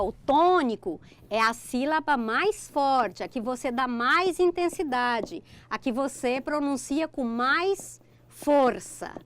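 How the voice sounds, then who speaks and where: A woman's voice: sits high, fairly bright tone. A middle-aged Brazilian woman with a Brazilian Portuguese accent, teaching a recorded online grammar lesson. She explains step by step and keeps checking in with "ok?".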